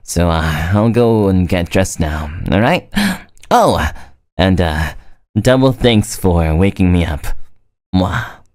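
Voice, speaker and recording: A man acts out a sleepy male student in an audio roleplay. He stammers and teases in a slow, groggy morning voice with lively swings in pitch, recorded dry and close. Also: no room sound. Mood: sleepy, teasing. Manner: halting, stammering. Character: drowsy, flustered, teasing male student on a phone call. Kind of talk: scripted roleplay voice acting.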